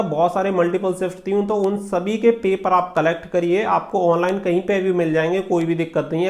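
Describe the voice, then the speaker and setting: Man, high-pitched voice, informal coaching style, explanatory, repeats points, English terms mixed in. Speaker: exam preparation coach and YouTube channel host. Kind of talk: informal exam guidance explainer.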